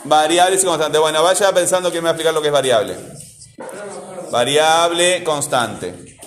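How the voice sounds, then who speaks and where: Guy teaching a class, quick questions, calls on kids by name, voice a bit high. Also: soft background music.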